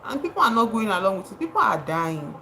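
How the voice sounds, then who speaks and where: A woman's voice: mid-range voice, sing-song, fast talker, bright, forceful tone, a little hiss or hum. A Nigerian woman livestreaming, speaking with passion, repeating words for emphasis and greeting her chat viewers. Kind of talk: live stream commentary.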